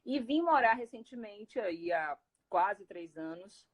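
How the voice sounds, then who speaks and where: A woman from Recife, a guest speaker talking casually in a live interview, animated and quick to laugh, with many fillers and restarts. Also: medium pitch. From Recife, Brazil.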